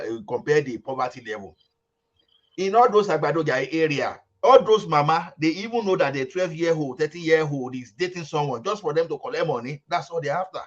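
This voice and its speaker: A man from Lagos, Nigeria, making his point in a group discussion over a call. He talks emphatically and haltingly, repeating words and mixing in pidgin. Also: fairly high pitch. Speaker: discussion participant. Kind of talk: heated group chat on a call. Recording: muffled online call audio.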